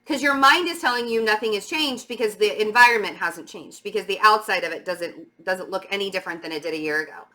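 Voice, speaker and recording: A middle-aged woman with a slight stammer speaks casually and emphatically to viewers as she gives a halting spiritual tarot reading, repeating words for stress. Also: medium pitch, bright, forceful tone. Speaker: tarot reader.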